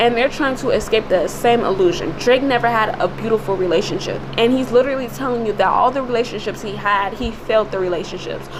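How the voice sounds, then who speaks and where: Against noticeable background noise, a woman with a fairly high pitch and ordinary pitch variation speaks animatedly at a very fast pace, with hardly any pauses. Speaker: religious vlogger. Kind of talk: casual monologue.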